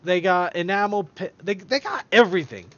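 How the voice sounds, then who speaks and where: A high-voiced man hosts a podcast, rambling through casual chat and tripping over his own words. The sound is dry and close, with a slightly dull, lo-fi tone from a stream. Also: lively intonation, a little fast, a bit bright, dry recording. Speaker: podcast host.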